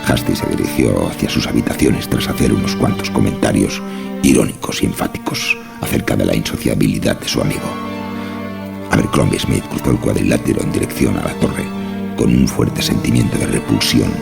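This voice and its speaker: A man's voice: extremely low pitch, brisk. A man narrating a scripted horror story. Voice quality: gravelly. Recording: music behind the voice.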